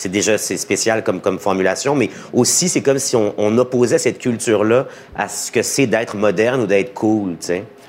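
With ordinary pitch variation and a moderate pace, a man speaks while music sounds in the background. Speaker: film and TV director. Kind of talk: interview. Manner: halting.

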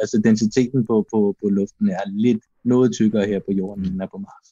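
Dry and close with no echo, a man's fairly low voice has a dark, mellow tone and fairly even intonation. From Faroe Islands. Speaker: space scientist. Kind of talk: interview. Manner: halting, many repetitions.

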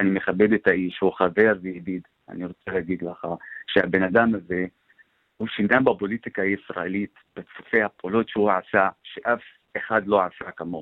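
With an Arabic accent, a man speaks at a fairly low pitch in a monotone, flat intonation. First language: Arabic (speaking Hebrew). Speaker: party campaign director, politician. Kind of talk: radio interview.

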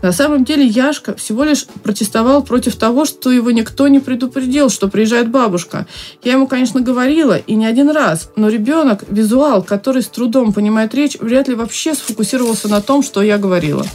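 A woman's high voice at a fairly quick pace with very even loudness, music in the background. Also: ordinary pitch variation. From Moscow, Russia. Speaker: writer. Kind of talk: interview. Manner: halting.

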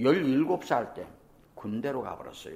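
Very wide pitch swings mark this man's speech, delivered at a very slow pace. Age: 60s. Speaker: son of an abducted lawmaker. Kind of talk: interview testimony.

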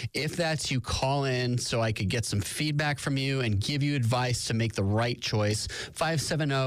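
This man has an unremarkable speaking voice at medium pitch. His pitch varies in an ordinary way. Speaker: health coach radio host. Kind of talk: call-in health advice show.

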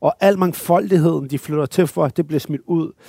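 A man speaks at a moderate pace in a fairly high pitch with ordinary pitch variation. His tone is dark and mellow, and the sound is dry and close with no echo. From Scotland (Dundee), moved to Denmark at 10. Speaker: rapper. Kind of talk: casual chat.

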